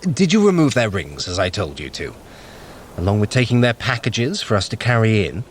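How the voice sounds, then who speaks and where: An actor playing a sardonic, haughty male trickster god in an audio drama, smug and quick-witted. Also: fairly low pitch, sing-song, a little hiss or hum. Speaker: Loki.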